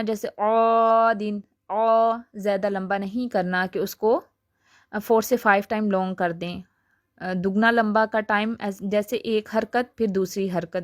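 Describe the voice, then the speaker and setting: A woman teaching a recitation lesson, patiently explaining rules and slowly drawing out example sounds. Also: medium pitch, dry recording, studio quality. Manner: patient, repeats "theek hai" to check understanding.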